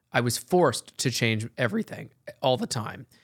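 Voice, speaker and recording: On a very clean recording with a silent background and a dry, close sound with no echo, a man of medium pitch speaks in an ordinary speaking voice. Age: 20s. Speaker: podcast co-host. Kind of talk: casual chat. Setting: studio.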